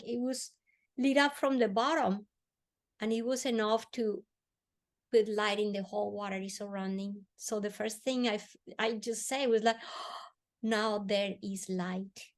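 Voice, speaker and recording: A woman, a guest on an interview show, telling a personal story earnestly and slowing down softly on emotional moments. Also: medium pitch, fairly even intonation. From Colombia. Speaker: podcast guest.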